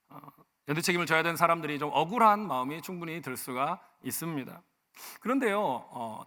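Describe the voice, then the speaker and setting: A male senior pastor preaching a sermon, talking conversationally with personal stories and switching between soft asides and loud emphasis. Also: fairly high pitch. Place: church sanctuary. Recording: long church reverb.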